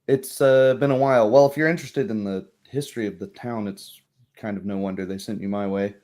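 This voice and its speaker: A man voicing a very old female gnome historian, easygoing and hospitable, who talks in a halting, folksy mutter. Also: on the low side, fairly even intonation, darkish tone, lightly acted. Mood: musing, guarded.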